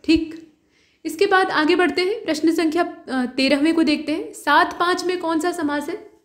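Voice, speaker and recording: A woman teacher going through mock exam questions one by one, explaining each answer to the viewer in a steady, direct way. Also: very high voice, normal speed, reverberant.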